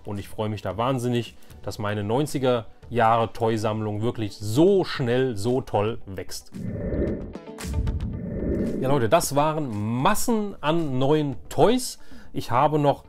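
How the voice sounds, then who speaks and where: A man's voice: mid-range voice, slow, darkish tone. Casual man in his forties, faint music behind. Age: 40s. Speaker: toy collector and video host. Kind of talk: casual unscripted show-and-tell.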